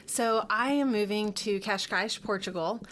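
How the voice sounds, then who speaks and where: A woman's voice: medium pitch, a little slow, a bit bright. A middle-aged woman from Texas, a podcast guest talking casually and openly, with lots of fillers. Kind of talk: casual interview chat.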